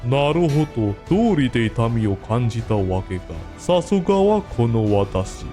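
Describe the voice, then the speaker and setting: A man's voice: mid-range voice, very animated, fairly quick, warm tone, faint music behind, pitched below the performer's own voice, close to an everyday voice. A man voicing an arrogant, proud anime warrior in a pompous, declamatory amateur demo. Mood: haughty, menacing.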